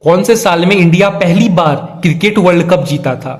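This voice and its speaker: Give me a young male teacher with a high voice who explains step by step and keeps checking in with his students. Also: brisk. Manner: frequent checking fillers. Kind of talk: olympiad exam prep lesson.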